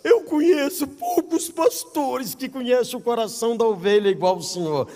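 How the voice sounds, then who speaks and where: A Brazilian man preaching a sermon as pastor, telling stories with acted-out quotes, swinging between loud calls and hushed asides. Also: very high voice, normal speed, big-room sound. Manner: animated storyteller, acts out quotes, swings from shouting to hushed. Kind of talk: sermon with storytelling. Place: church.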